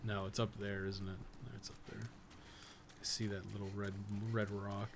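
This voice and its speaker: A man's voice: on the low side, flat delivery, moderate pace, vocal fry, noisy background. A man chatting casually on a live game stream, rambling, thinking aloud and swearing freely.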